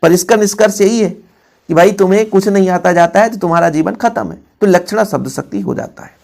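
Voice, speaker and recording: A male teacher going through exam questions with his students, his voice pitched high with a gravelly, creaky edge. He repeats each example and leans hard on the important words. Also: brisk. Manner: explains by repeating examples, calls students "बच्चों"; stresses key words loudly. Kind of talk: exam-prep grammar lesson.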